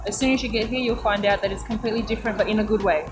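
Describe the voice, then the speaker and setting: A woman's voice: mid-range voice, steady tone, rapid-fire, over music. A woman answering interview questions casually and encouragingly. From Australia. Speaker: traveller sharing tips.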